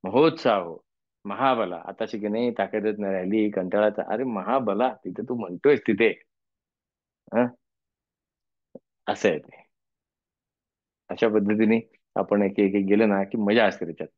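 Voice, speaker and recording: A man teaching Sanskrit chanting, explaining verses conversationally with homely examples and reciting slowly. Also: lowish voice, no room sound, highs cut off. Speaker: teacher of Vishnu Sahasranama chanting. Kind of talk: spiritual lesson with chanted verses.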